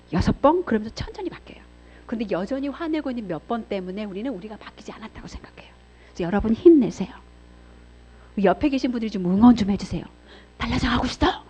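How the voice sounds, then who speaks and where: Brief: middle-aged woman preacher, high lively voice, dramatic storytelling, dull lo-fi church recording. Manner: expressive storytelling, acts out voices, swings between loud and hushed. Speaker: pastor's wife giving a seminar talk. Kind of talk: church seminar sermon. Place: church hall. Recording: dull lo-fi sound.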